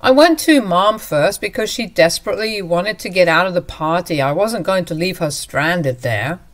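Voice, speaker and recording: A woman's voice: lowish voice, expressive, moderate pace, close to an everyday voice. A woman voicing a stubborn, dismissive husband who brushes off complaints impatiently, raised and insistent. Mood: irritated.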